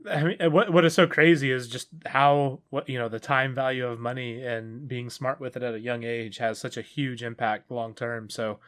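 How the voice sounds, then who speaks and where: A man's voice: medium pitch, fairly even intonation, moderate pace, few pauses. Rambling, earnest male podcast host. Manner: rambling, earnest, trails off quietly at ends of points. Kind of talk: casual chat.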